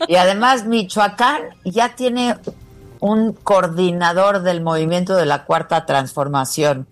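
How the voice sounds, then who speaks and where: A woman interviewing a guest on a talk show, asking brisk questions and explaining news plainly. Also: on the low side, faint music behind.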